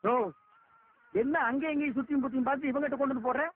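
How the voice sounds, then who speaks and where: A man in a film comedy scene, scolding and mocking others with quick insults. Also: very high-pitched, steady tone, noisy background. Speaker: comic film actor. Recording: tinny lo-fi film audio.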